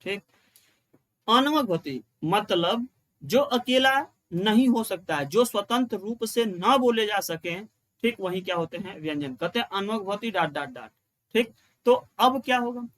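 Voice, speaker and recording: A man with a high voice teaches an exam-prep grammar lesson. He explains step by step, repeats the key lines and answers his own questions as he writes on the board. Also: animated, fairly bright tone. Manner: chants rules in a slow sing-song.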